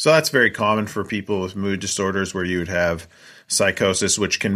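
A man's very deep, low voice with a bright, sharp tone, fairly even intonation, and a fairly quick pace, on a very clean recording with a silent background. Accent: western Canadian. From Canada, British Columbia (Coquitlam, near Vancouver). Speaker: pastor. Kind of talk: interview.

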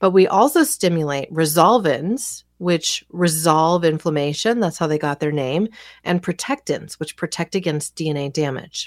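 Recorded very cleanly with a silent background and a dry, close sound with no echo, a woman with an unremarkable speaking voice talks at a moderate pace and fairly low pitch, with ordinary pitch variation and hardly any pauses. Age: 40s. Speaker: nutrition educator and supplement company representative. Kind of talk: interview on health radio show.

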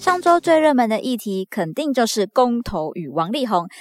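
A woman speaks at a fairly quick pace and fairly high pitch, making very wide pitch swings, in a dry, close sound with no echo. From Taiwan. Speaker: podcast host. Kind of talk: solo news commentary podcast. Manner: casual, conversational.

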